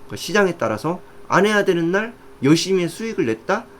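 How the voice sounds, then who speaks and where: A man explains stock trading in a lively, casual voice, his pitch rising and falling a lot as he talks. He keeps stopping to check that the listener understands. Faint background noise sits under his voice. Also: quick pace. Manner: animated, often asks "아시겠죠?" to check understanding.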